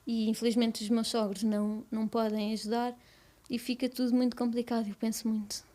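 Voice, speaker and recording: A young woman with a European Portuguese accent, speaking softly and haltingly in a personal interview, with many restarts. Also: a little high, little pitch movement. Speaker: guest.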